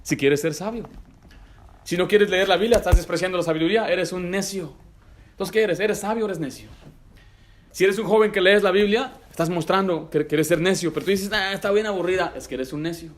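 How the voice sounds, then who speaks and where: A man's voice: high voice, a little fast. A middle-aged man preaching a sermon to young people in a church, direct and emphatic, firing rhetorical questions and dropping in English phrases. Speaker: pastor.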